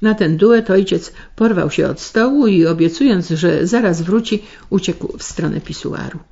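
Gravelly-voiced woman reading on the radio. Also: fairly low pitch. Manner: measured, expressive reading. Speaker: radio story reader and host. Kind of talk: scripted radio narration. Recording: slightly muffled radio broadcast.

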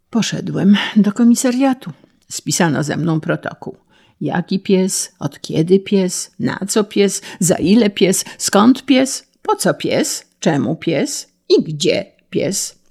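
A woman reading a humorous first-person story aloud in a slow, wry narration. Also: medium pitch, expressive, gravelly, a little mellow, husky. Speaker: reader.

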